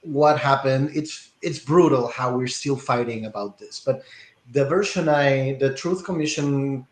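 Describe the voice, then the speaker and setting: A man talks at a middle pitch, thinking aloud and correcting himself as he goes. He slips in dry, wry asides. His voice rings in an echoey room. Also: measured pace. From Peru. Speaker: guest theater artist. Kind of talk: conversational interview answer.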